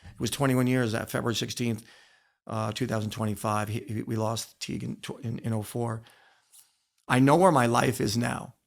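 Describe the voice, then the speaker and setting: Earnest middle-aged American man, gravelly edge. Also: mid-range voice, steady tone, moderate pace. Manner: earnest, emphatic, repeats phrases for weight. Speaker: podcast guest, author and former wrestler. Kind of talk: reflective personal storytelling in an interview.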